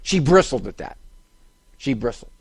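Older male talk show host, gravelly, lively delivery, wry jokes at his own expense. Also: medium pitch, moderate pace, low-quality recording. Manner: animated, self-deprecating joking. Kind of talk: live talk show, humorous storytelling. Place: live event on a cruise ship.

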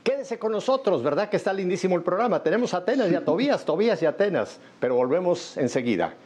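A man's voice: sits high, sing-song, fast talker, darkish tone, breathy edge. Jovial older man hosting a radio show. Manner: chatty, jovial host. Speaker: radio host. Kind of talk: radio interview. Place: studio in Miami.

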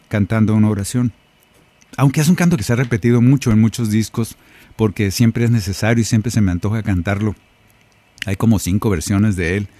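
A man's voice: lowish voice, dark tone, dry recording. A man, a Catholic singer-songwriter hosting a reflective, joking talk between songs. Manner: conversational and joking. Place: his own recording studio.

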